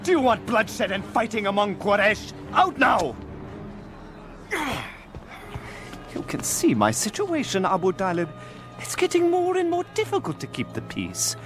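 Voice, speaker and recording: Casting: a forceful tribal leader, high expressive voice over a score. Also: male voice, moderate pace. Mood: commanding. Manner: commanding yet diplomatic. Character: male tribal leader keeping the peace. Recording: animated film with music behind.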